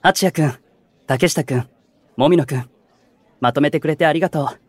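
Casting: a man as a gentle, supportive senior idol with a steady, slightly high voice. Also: a little fast, no room sound, lightly acted. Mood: encouraging. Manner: calm, warm-hearted, encouraging. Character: calm encouraging senior male idol. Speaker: senior idol, mentor to the unit. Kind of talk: anime-style voice drama acting.

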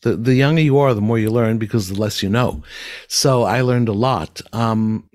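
An older man, a musical director and speech therapist, gives interview answers in a fairly low, nasal voice with a darkish tone at a moderate pace. The recording is clean studio sound with no room echo, and he tells his stories with enthusiasm and reflection.

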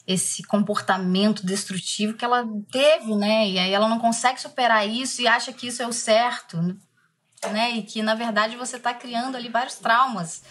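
A Brazilian woman in her forties, an actress speaking in an interview and recalling a painful family memory in a reflective, soft manner. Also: fairly high pitch, steady tone, moderate pace. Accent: Brazilian Portuguese. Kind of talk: emotional interview talk.

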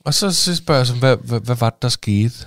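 A man co-hosting a podcast, casually telling a lively anecdote with acted-out dialogue and some swearing. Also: mid-range voice, no room sound, studio quality. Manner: animated storytelling, swearing, acting out dialogue. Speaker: podcast co-host. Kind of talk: casual chat.

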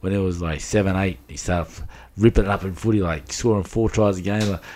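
A middle-aged man with a low, deep voice and an Aboriginal Australian accent. He talks in a relaxed conversational way, full of slang, and often circles back to repeat a phrase. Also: a little fast. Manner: slangy, repeats himself, says "bro" and "you know". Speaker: interview guest. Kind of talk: casual chat.

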